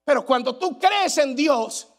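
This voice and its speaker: A man's voice: very high-pitched, lively intonation, a little slow. A male pastor preaching a sermon, emphatic and repetitive, asking his congregation rhetorical questions. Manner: emphatic preaching, repeats phrases for weight.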